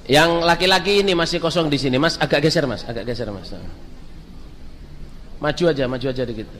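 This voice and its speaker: A man's voice: a little high, a little fast, big-room sound, a little hiss or hum. A man preaching a sermon, telling stories and speaking straight to the congregation. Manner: storytelling, lively, addresses the crowd directly.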